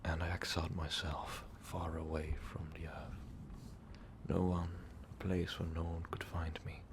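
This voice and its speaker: A man voicing an ancient, brooding, power-hungry vampire overlord in an ASMR roleplay, talking haltingly and often slipping into whispers. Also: sits low, flat delivery, noisy background. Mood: solemn, reflective. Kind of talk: ASMR roleplay monologue, intimate storytelling.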